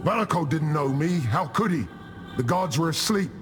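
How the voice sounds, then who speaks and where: A man's voice: fairly high pitch, expressive, normal speed, close to an everyday voice. An actor playing a boisterous, boastful tribal warrior spirit restored to his prime in a video game, with a jovial, teasing storytelling manner. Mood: proud, boastful. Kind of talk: video game character dialogue. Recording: music under the voice.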